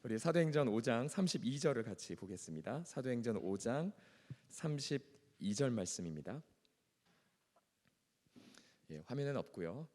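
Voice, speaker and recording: A man's voice: mid-range voice, sing-song, normal speed, long pauses, a little mellow. A male pastor with a strained, ailing throat, teaching a Bible class in a formal, earnest way. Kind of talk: Bible lecture with reading and prayer. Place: church hall. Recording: long echoing hall reverb.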